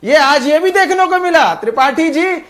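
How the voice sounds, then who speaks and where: A man's voice: very high voice, animated, moderate pace, a crowd in the background. A male party spokesperson in a TV debate, combative and accusatory, talking over the others. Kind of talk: heated political debate.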